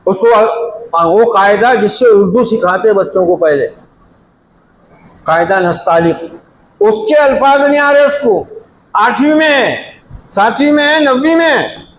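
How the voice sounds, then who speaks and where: A man's voice: high voice, lively intonation, unhurried, long pauses, a little hiss or hum. A male Islamic preacher giving a sermon in a scolding, emphatic way, pushing his voice up on key points. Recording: echoey room.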